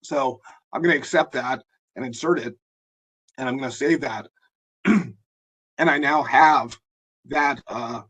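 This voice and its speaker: A man with a hoarse, husky voice presenting a live software demo in a webinar, talking in a halting way with many fillers and restarts. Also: medium pitch, dull audio. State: hoarse, losing his voice.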